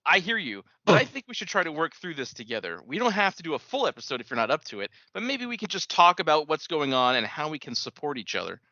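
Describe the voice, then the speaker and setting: A man's voice: fairly high pitch, sing-song, fast talker, hardly any pauses, sharp tone, no echo, lo-fi sound, exaggerated voice. A man reading aloud the scripted part of a compassionate, supportive podcast host.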